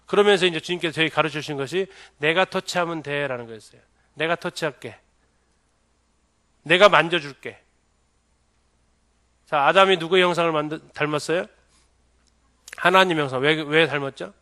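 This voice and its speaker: A man's voice: a little high, quick pace, pushed and bright. A middle-aged male pastor giving a seminar on raising children, often putting questions to the audience. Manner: asks the audience many questions. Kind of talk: church seminar lecture.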